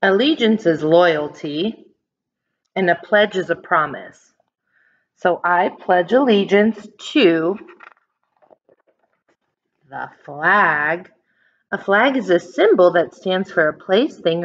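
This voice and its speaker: A slightly muffled, lo-fi recording of an American woman reading to young children. Her pitch moves in a lively, expressive way. She explains things simply like an elementary teacher and puts questions to her listeners. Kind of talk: children's picture-book read-aloud with explanations.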